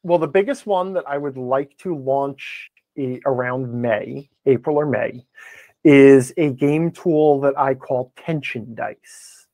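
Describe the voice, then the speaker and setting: This man is a game blogger and author appearing as a guest on a podcast, explaining his views at length in a conversational interview. His medium-pitched voice is warm and slow, with no room sound.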